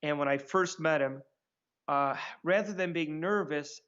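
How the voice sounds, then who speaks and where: A man telling stories in a casual interview, acting out what people said in a higher voice. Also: a little slow, smooth. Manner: animated, acts out quotes in a higher voice. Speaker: magician guest. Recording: dull lo-fi sound.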